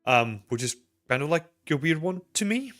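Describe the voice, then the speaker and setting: His voice sits on the high side, with a sing-song, fairly bright quality at normal speed and faint music behind it. The speaker is a Belgian man in his thirties hosting a livestream, casually answering chat in a rambling, filler-filled way. He records in a small home room with a desk mic and headphones.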